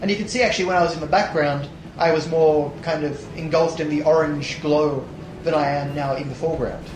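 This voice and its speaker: A young man with a tired, hoarse voice, casually commenting on a platformer as a let's play host, rambling with many fillers and restarts. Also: on the high side, steady tone, fairly quick, reverberant, slight background noise, poor audio. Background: game music.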